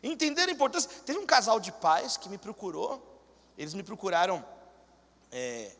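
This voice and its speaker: A man's voice: high-pitched, sing-song, moderate pace, fairly bright tone. A male pastor with a Brazilian Portuguese accent, preaching a fervent sermon and calling out to his congregation. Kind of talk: energetic sermon. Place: large church hall, indoors. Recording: long church hall reverb.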